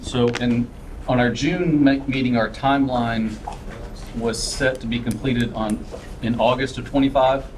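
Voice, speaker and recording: A man's voice: medium pitch, fairly even intonation, unhurried, slight background noise, rough recording. A man chairing a public meeting, folksy in small talk and pointed when he questions. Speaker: committee chair. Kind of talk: public meeting, leading agenda.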